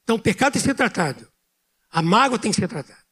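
A man preaching a sermon as pastor, speaking loudly with pauses and emphatic repetition. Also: high-pitched, animated, slightly rough. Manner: speaks loudly by his own account.

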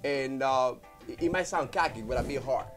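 A man in his thirties, a Spanish speaker, speaks as a studio guest in an easygoing, rambling way, circling back and restarting often. His voice sits at an ordinary middle pitch. Faint music plays behind him. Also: normal speed, fairly bright tone. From Puerto Rico. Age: 30s. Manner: rambling, heartfelt, many fillers and restarts. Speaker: guest, business owner. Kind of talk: casual interview talk.

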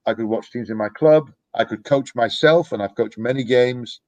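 A man's voice: medium pitch, moderate pace, darkish tone, no room sound. A middle-aged man, a youth soccer coach, talking in a casual podcast conversation, reflective and rambling with restarts. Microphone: podcast microphone.

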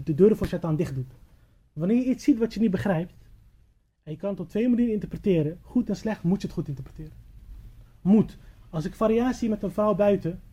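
A man's voice: high-pitched, mellow, husky. A man teaching at a religious gathering, telling a moral story in a sermon style and often repeating and restarting words. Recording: dull lo-fi recording.

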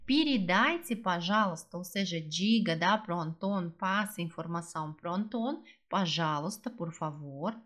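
A woman teaching a language lesson, patient and explaining step by step, slowing down for example phrases. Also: fairly low pitch, animated, fairly bright tone. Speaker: Russian teacher.

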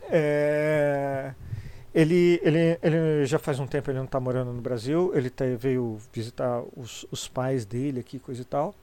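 A man's voice: mid-range voice, fairly even intonation, moderate pace, warm tone, no room sound. A middle-aged Brazilian man with a congested, sniffly voice from a cold, chatting casually and opinionatedly on a live stream in informal, sweary Brazilian Portuguese speech.

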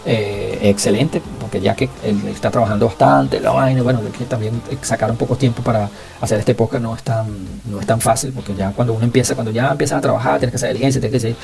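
A young Venezuelan man hosting a podcast, telling stories in slangy, animated casual Spanish. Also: medium pitch, fast, vocal fry, soft background music. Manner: slangy, animated, acts out dialogue. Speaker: podcast host. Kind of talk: casual storytelling.

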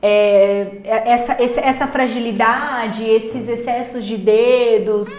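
Blunt high-voiced woman psychologist. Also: slow, soft background music. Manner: animated, blunt, acts out quoted parents and patients. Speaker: psychologist guest. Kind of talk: casual podcast chat. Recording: roomy echo.

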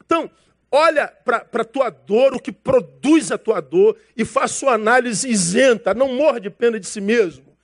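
A man delivers a sermon as a pastor, in a notably high voice. He keeps it casual and slangy and addresses the congregation as brother. He acts out conversations from his anecdotes. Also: animated, moderate pace. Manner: casual, slangy preaching that calls listeners brother; acts out dialogue from his stories.

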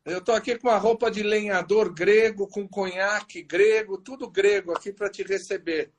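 A man's voice: high voice, fairly even intonation, normal speed. A man hosting a live video-call interview, chatty and teasing his guest with jokes. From Greek. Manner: jokey, teasing banter. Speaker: host.

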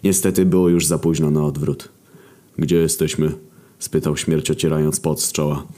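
A man narrating a crude comic story in a deadpan, sardonic way. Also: a bass voice, normal speed.

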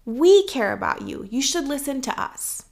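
A young woman hosting a podcast, speaking in an earnest, measured and reflective way. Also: high-pitched, sing-song, creaky, darkish tone. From United States. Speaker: podcast host. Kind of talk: scripted podcast commentary.

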